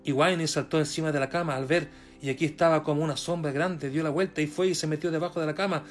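Chilean male preacher, slightly high voice, hesitant and repetitive, soft music under him. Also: fairly even intonation. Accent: Chilean Spanish. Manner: halting, many fillers and repeated words, rising for emphasis. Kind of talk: sermon reading and retelling a testimony.

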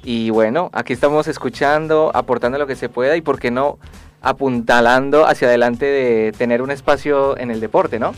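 Young man, radio guest, hesitant restarts, mid pitch, faint music behind. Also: fairly even intonation, normal speed. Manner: hesitant, restarts phrases, polite. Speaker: sports journalist guest. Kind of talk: radio studio chat.

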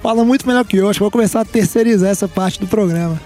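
A man's voice: high voice, very fast, dark tone, soft background music. A man with a Brazilian accent hosting a sports podcast, upbeat and teasing with his co-hosts. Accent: Brazilian Portuguese. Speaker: podcast host. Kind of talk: casual sports podcast chat.

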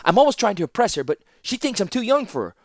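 A man voicing an impulsive young male student, shouting and stammering in a rush. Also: high-pitched, sing-song, no echo, studio quality, voice pushed up. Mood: eager. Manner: shouting, breathless rushing, stammering.

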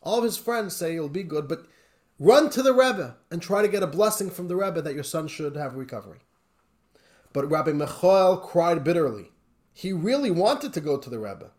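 Animated man teaching a Torah class. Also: high-pitched. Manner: animated, conversational, with rising emotional emphasis. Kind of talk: Torah class lecture with storytelling.

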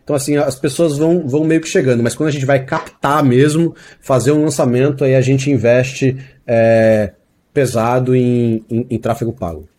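Relaxed Brazilian-style chatty man, mellow tone. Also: mid-range voice, normal speed. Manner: chatty, explains with examples, many "né?" tags. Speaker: acting teacher and course creator. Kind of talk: casual podcast interview.

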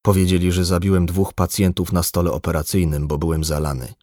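Guy reading a gruff drunk doctor in an audiobook, lectures a lot, deep dry voice. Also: little pitch movement, brisk, darkish tone, no room sound. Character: drunk embittered male ship's doctor, blunt. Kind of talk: audiobook dialogue.

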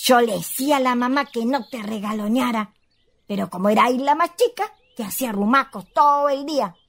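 An actress playing a bossy, scolding elder-sister ghost in a radio play, with an expressive rustic Chilean accent. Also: female voice, fairly high pitch, brisk. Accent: rural Chilean. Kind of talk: radio theatre acting.

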